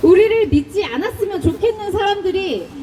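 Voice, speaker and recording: A woman speaks at a moderate pace with an extremely high pitch and ordinary pitch variation over noticeable background noise. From South Korea, Daegu. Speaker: politician, party list candidate. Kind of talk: campaign rally speech. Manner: formal.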